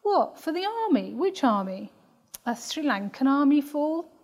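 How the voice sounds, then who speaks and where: A woman voicing a defiant teenage girl with quick, sarcastic retorts. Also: sits high, sing-song, pitched above the performer's own voice, exaggerated voice. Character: defiant teenage girl, sharp-tongued and restless.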